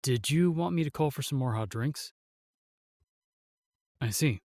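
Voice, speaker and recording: A man's voice: mid-range voice, animated, measured pace, darkish tone, no echo, clean studio sound. An actor playing a protective male knight in a fantasy audio roleplay, formal, courteous and earnest. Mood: gentle, courteous.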